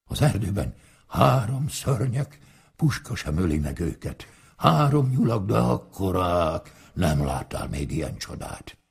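A man voicing a big bear in a told folk tale, slow and warning. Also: low voice, big pitch swings, gravelly, husky, full character voice.

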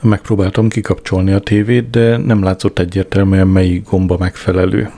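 A man reading a comic diary aloud as an audiobook narrator, with a dry, deadpan delivery. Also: deep voice.

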